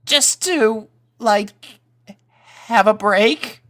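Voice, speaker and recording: Dude doing a little boy pony, super high voice, jumpy and defensive, storybook style, bright. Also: extremely slow, full character voice. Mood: nervous. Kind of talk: acted character voice in fan fiction reading.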